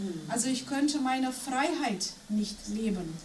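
Over noticeable background noise and audible room echo, a woman speaks very slowly with lively intonation. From North Macedonia. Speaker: participant in intercultural discussion. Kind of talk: personal testimony in group discussion.

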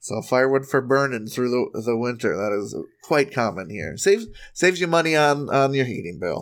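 Over a very clean recording with a silent background, a man talks in a plain, everyday voice with an American accent. His pace is fairly quick and his intonation lively. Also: medium pitch for a man. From US Upper Midwest. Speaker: comedy podcast host. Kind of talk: casual comedic chat.

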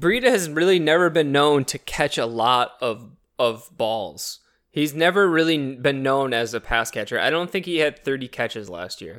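In a very clean recording with a silent background, a man speaks at a moderate pace with lively intonation and a fairly high pitch. His is an unremarkable speaking voice. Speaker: podcast co-host, football fan. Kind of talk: casual chat, sports talk. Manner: casual, excitable.

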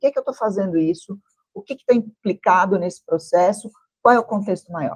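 Dark and mellow in tone, a woman's voice has ordinary pitch variation and a dry, close sound with no echo. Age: 50s. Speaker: digital transformation consultant. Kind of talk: casual interview.

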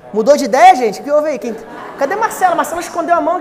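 A man's animated, extremely high-pitched voice amid crowd noise in the background and audible room echo. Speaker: pastor. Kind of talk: sermon. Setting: church.

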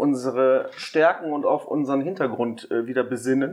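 At a moderate pace, a man with a fairly high pitch speaks in an unremarkable speaking voice. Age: 30s. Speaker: podcast co-host, cafe owner. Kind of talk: casual chat. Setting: in a cafe.

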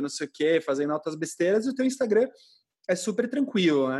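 Here is a man with a normal speaking voice and ordinary pitch variation. His pace is fairly quick. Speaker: orthopedic surgeon, podcast host. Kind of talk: casual chat. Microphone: new podcaster microphone.

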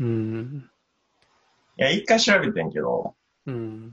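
Here a man speaks at medium pitch with very wide pitch swings. His pace is fairly slow, broken by long, frequent pauses. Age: 30s. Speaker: product designer. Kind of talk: casual chat.

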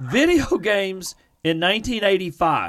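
A man talks in an Appalachian accent, his pitch swinging very widely. The recording is very clean, with a silent background. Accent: Appalachian American. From West Virginia. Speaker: wrestling podcast co-host. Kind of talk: casual chat. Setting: studio.

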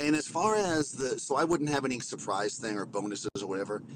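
A man talks at a very fast pace with very wide swings in pitch. His voice sits fairly high. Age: 40s. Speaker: listener calling in, tabletop gamer. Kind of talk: voicemail.

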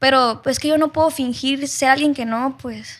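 A bright, sharp tone comes through in monotone, flat intonation at a moderate pace, on a very clean recording with a silent background. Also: woman. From Mazatlán, Sinaloa, Mexico. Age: 20s. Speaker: influencer / youtuber. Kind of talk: casual interview chat. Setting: studio.

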